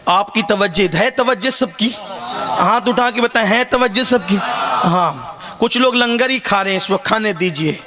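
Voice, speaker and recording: A man preaching a sermon to a gathering in South Asian Urdu, impassioned, rising to shouts and joking with the crowd. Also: high-pitched, background noise. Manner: jokes with the crowd. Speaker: religious orator. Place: outdoor religious gathering with listeners.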